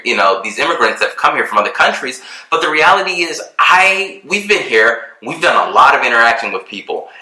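A man's voice: medium pitch, pushed and bright. A man from Texas in casual chat, talking earnestly and rambling with many fillers and restarts. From Texas, USA. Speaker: vlogger, expat in Mexico. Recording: roomy echo.

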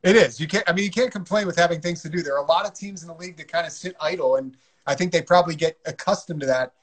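A man hosting a casual hockey podcast with a fairly high voice. He breaks down the game in a steady, measured way. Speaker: podcast host.

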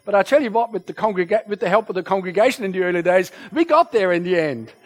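High-voiced German-speaking pastor preaching. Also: male voice, fast. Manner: animated, rising loud on scripture quotes, chuckles at himself. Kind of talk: sermon. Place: church.

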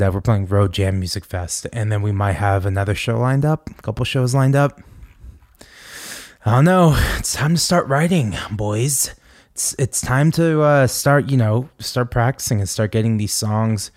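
A young adult man hosting a podcast, rambling and halting with many restarts, as he talks casually about touring and new songs. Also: fairly low pitch, a little mellow, no room sound, clean studio sound. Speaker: podcast host and touring musician. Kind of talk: casual podcast monologue and interview.

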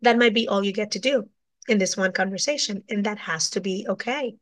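Woman communication coach, raspy with a cold, solo lesson from her office, keeps asking "right?". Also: medium pitch, a little fast, a bit bright. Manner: asks "right?" after most points. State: hoarse from a cold. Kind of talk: solo teaching talk.

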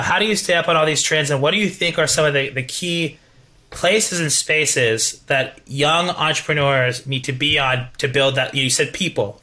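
A man hosting an interview podcast, talking with energy, often restarting and adding "right?". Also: mid-range voice. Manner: energetic, repeats words, tag questions. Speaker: podcast host. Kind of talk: casual interview chat.

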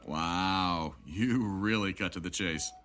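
Slow and low-pitched with a fairly bright tone, a man acts the part of a jaded, guarded older man bitter about his family. His wry, reflective performance in this naturalistic audio drama plays over background music.

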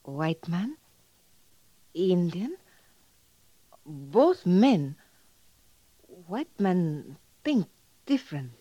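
Slow, soft-toned young Native American woman. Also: fairly low pitch, very animated, dry recording, heavily acted. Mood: earnest, grateful. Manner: halting broken English, simple solemn phrasing. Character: young Native American woman, earnest, devoted, softly curious. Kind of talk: 1950s radio drama acting. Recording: muffled vintage radio recording.

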